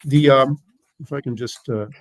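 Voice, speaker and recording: A man in his seventies, a native Lithuanian speaker from the United States, recounting family history in an interview, measured and pausing often. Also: mid-range voice, dry recording. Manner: measured, pausing with "uh" between thoughts. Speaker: interview guest. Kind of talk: storytelling interview answers.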